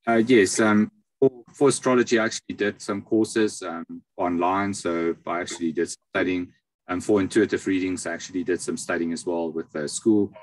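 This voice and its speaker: A low-pitched man is being interviewed over a video call. He explains how he works in a halting way, often pausing in the middle of a phrase. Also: steady tone, dry recording, poor audio. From South Africa. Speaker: interview guest, astrologer and palm reader.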